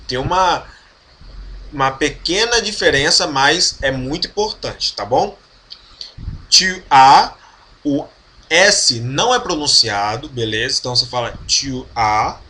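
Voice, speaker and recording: A man teaching a French grammar lesson in Portuguese, explaining slowly and patiently, often checking that the viewer follows. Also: mid-range voice, expressive, sharp tone. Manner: slow, patient explaining with frequent check-ins. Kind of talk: online language lesson.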